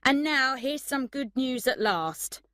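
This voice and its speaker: A woman voicing a brisk male restaurant manager. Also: high voice, animated, bright, forceful tone, no echo, studio quality, pitched above the performer's own voice, heavily acted. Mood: upbeat. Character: male restaurant manager briefing his staff.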